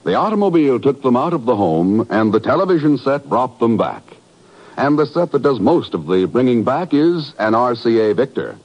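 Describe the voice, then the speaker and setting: Old radio announcer: American man, polished and declamatory, lively inflection, muffled vintage broadcast over music. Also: mid-range voice, normal speed.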